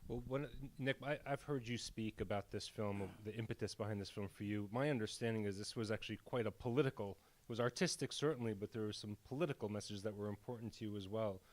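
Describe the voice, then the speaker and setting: A man moderating a live panel on stage, speaking haltingly and often rephrasing his questions as he goes. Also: fairly low pitch. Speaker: moderator, president of a peace-building organization. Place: on stage at a film premiere event.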